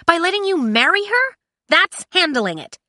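A woman's voice: mid-range voice, expressive, unhurried, sharp tone, no room sound, studio quality. A woman voicing a defiant, sarcastic young woman in an audiobook, stubborn and matter-of-fact. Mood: heated. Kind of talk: audiobook character acting.

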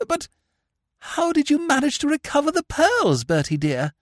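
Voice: high-pitched, huge pitch swings, moderate pace, no echo, studio quality, voice pushed up. A performer voicing an imperious, easily outraged elderly English aunt, snapping and exclaiming theatrically in an audiobook story. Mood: flustered disbelief.

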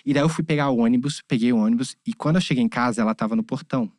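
Fast-talking young man telling a story. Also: mid-range voice, dry recording, studio quality. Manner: animated, acts out quoted voices. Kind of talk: casual storytelling chat.

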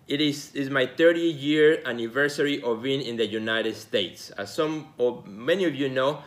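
A man in his forties from Mexico, hosting his own show as a casual solo talk, relaxed and rambling, with many fillers and restarts. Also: medium pitch, normal speed. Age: 40s. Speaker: podcast host.

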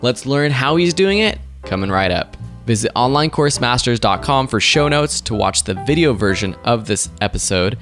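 A man's voice: medium pitch, animated, normal speed, few pauses, fairly bright tone, soft background music. A man hosting a podcast, giving a polished scripted intro and then asking interview questions in an upbeat way. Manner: upbeat, polished announcer delivery. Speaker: podcast host.

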